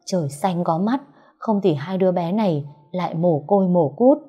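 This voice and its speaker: A woman's voice: lowish voice, moderate pace, breathy edge. A woman voicing an old nanny, speaking earnestly and plainly in a storybook reading. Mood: relieved. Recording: slightly muffled, soft background music.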